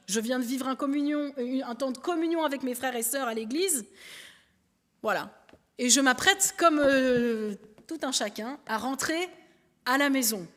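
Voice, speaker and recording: A woman giving a lively, conversational sermon, talking through an illustration with a helper and the congregation. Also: sits high. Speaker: preacher. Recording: long hall reverb.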